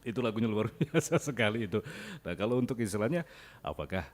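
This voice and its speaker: A man's voice: lowish voice, expressive, fast talker. A man hosting a radio talk show, asking questions politely and deferentially and murmuring along as his guests talk. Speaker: radio host. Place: radio studio.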